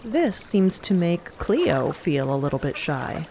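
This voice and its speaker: Lower-pitched female storyteller. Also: very animated, takes it slowly, dark tone, slight background noise. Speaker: narrator. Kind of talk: scripted fiction podcast narration.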